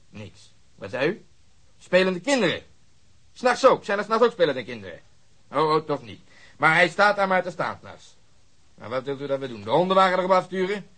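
An actor playing a gruff, sarcastic police detective in a radio drama, speaking in an exasperated, grumbling way. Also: male voice, mid-range voice, sharp tone. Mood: incredulous, annoyed. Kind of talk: Dutch radio drama acting.

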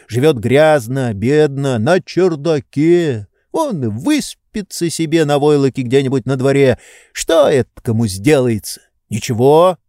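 A man's voice: a little high, warm tone, dry recording, clean studio sound, voice pushed up. A man voicing a pampered, indolent nobleman who speaks in indignant, reproachful rhetorical questions. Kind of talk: audiobook character reading.

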